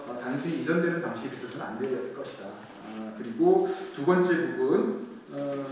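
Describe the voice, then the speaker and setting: A man gives panel remarks in a deliberate, halting way, with many filler pauses between his thoughts. His voice sits a little high for a man. It is caught from a distance in a very echoey hall, with faint noise behind. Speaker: lawyer speaking as a panel discussant. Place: conference hall at a public forum. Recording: echoey hall, picked up from afar.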